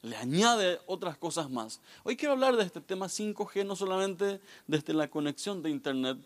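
A man in his thirties, a guest pastor, giving a lively, joking youth sermon straight to the audience. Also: sits high, moderate pace. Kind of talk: youth sermon with humorous stories.

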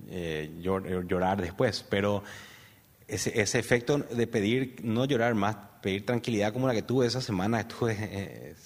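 A man with a Paraguayan Spanish accent, an interview guest giving a personal testimony in a rambling way, full of fillers and tag questions. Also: lowish voice. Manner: rambling storyteller, many fillers and "¿verdad?" tags. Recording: long hall reverb.

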